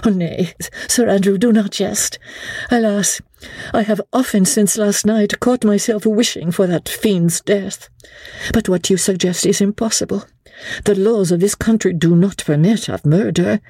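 A woman's voice: medium pitch, unhurried, warm tone, breathy edge, no room sound, voice pushed up. A woman voicing an anxious, refined young Frenchwoman in a storybook, formal and plaintive. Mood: anxious, pleading.

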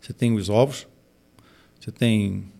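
A man's voice: on the low side, steady tone, measured pace, vocal fry, dark tone. A man in his forties, a pastor and music arranger, talking in a casual podcast conversation, often repeating and restarting words. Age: 40s. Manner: hesitant with frequent word repetitions.

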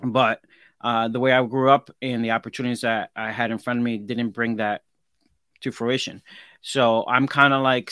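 A man's voice: medium pitch, a bit bright, clear, resonant tone, dry recording. A man in his forties, a guest craftsman in a casual interview, talking earnestly and reflectively and often restarting his sentences. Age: 40s.

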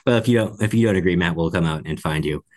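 A man's voice: low-pitched, fast talker, a little mellow. A man co-hosting a podcast, talking through a book conversationally in an analytical way, carefully qualifying his points. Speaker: podcast co-host.

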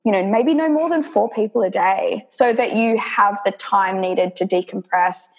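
A woman's voice: medium pitch, moderate pace. A young woman from Indonesia, a health coach, talking casually in an interview and filling her speech with lots of ums and "you know".

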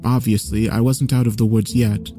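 Guy reading a scary story, really dark soft-edged tone, solemn and measured, bit of music behind. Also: mid-range voice, flat delivery. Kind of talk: scripted first-person horror story narration. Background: faint background music.

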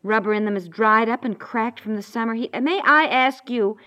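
An actress playing a practical, fondly nagging housewife in a chatty 1950s radio domestic comedy. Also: female voice, fairly high pitch, normal speed, bright, forceful tone. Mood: firm, chiding. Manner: chiding, conversational, chuckling exasperation. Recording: dull lo-fi 1950s radio recording.

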